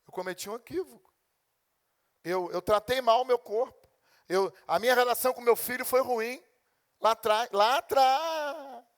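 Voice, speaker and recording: A man's voice: extremely high pitch, normal speed, long pauses. A man preaching a sermon as a pastor with a Brazilian Portuguese accent, acting out God and his congregation in turn. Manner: animated preaching, acting out God and complaining believers.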